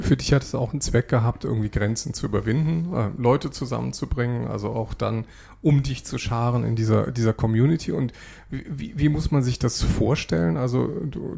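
A man's voice: mid-range voice, fairly quick, creaky, dark tone. A man co-hosting an interview, framing questions hesitantly with many fillers. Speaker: podcast co-host.

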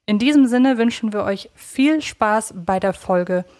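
A woman's voice: a little high, animated, measured pace, a little mellow. A woman hosting a podcast in a conversational style. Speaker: podcast host.

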